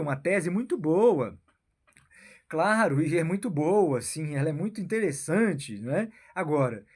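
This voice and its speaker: A man's voice: high voice, darkish tone. A man with a Brazilian accent giving a rambling political monologue, tagging his phrases with a questioning "né?" and "my son" and often restarting himself. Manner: keeps adding "né?" and "meu filho"; halting, repeats and restarts phrases. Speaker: political commentator.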